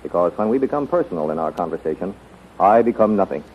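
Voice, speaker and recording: An actor playing a humble but insistent servant, formal and urgent, in 1930s radio serial style. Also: male voice, deep voice, expressive, fast. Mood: urgent, earnest. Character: urgent, humble male servant coaching a queen. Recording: dull, noisy 1930s radio recording.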